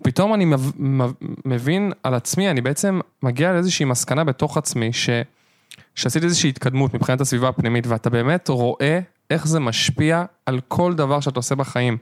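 A man hosting a podcast, reflecting on his own habits in casual chat and thinking out loud. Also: mid-range voice, no room sound, clean studio sound. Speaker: podcast host.

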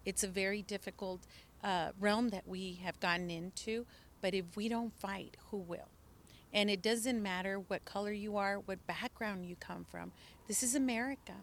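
A middle-aged woman from El Paso on the Texas border, whose first language is Spanish, testifies passionately about politics as an outdoor interview guest, earnest and emphatic with occasional restarts. Her mid-range voice holds a fairly even intonation at a moderate pace. There's slight background noise.

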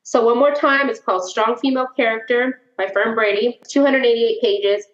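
Another woman co-hosting the book podcast has a fairly high, steady voice at normal speed. Her talk is casual and chatty, with frequent laughter and the odd swear word, recorded in an echoey room on dull lo-fi sound.

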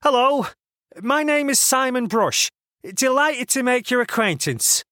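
A man's voice: extremely high pitch, lively intonation, unhurried, sharp tone, dry recording, clean studio sound, pitched above the performer's own voice, full character voice. A man voicing a cheerful, awkward young man who talks with fussy, formal politeness. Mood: eager. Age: young adult. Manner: cheerful, eager, fussily polite.

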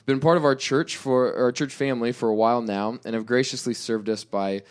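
A man's voice: medium pitch, fairly even intonation, a little fast, smooth. Man hosting a church podcast. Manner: friendly, conversational, asks open questions. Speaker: pastor and podcast host. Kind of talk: casual podcast interview.

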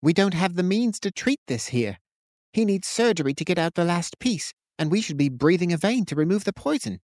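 A man voicing an earnest, quick-tempered young healer, raising his voice higher. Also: big pitch swings, darkish tone, dry recording, studio quality. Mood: worried.

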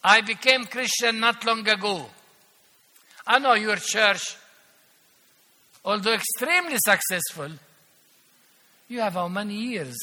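An older man delivers a sermon at a slow, deliberate pace, his voice high and very bright. He leans on emphasis and dry irony, and the sound rings out with a long reverb from the church hall. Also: lively intonation. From Palestine. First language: Arabic. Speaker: archbishop preaching as guest. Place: large church.

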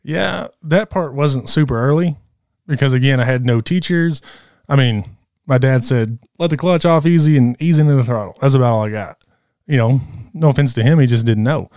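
Relaxed man in his thirties, candid guest. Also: mid-range voice, normal speed, no room sound, clean studio sound. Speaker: guest rider. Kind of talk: casual interview.

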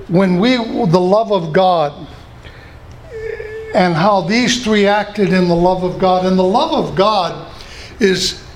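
Older man, pastor, folksy sermon storytelling, high voice, faint noise behind. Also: rough recording. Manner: folksy storytelling with asides to the congregation.

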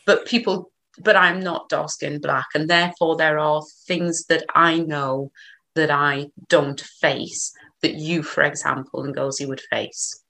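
A woman's voice: low voice, steady tone, measured pace, gravelly, pushed and bright. A woman with a slight Geordie accent hosting an online discussion, chatty and a little hesitant. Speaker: host. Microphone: video call.

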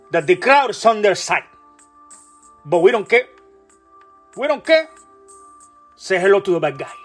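Man acting a high-voiced, pompous Latino pep-speech giver. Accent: Spanish-accented English. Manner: solemn, theatrical, rousing delivery. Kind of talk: mock-inspirational pre-game sports pep speech. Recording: music behind the voice.

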